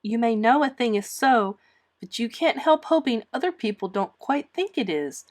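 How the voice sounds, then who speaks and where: Woman playing a high, melodramatic young orphan girl. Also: lively intonation, normal speed, natural voice. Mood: indignant, wailing. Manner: dramatic, emphatic pleading. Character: defiant, melodramatic eleven-year-old orphan girl, tearful and wounded.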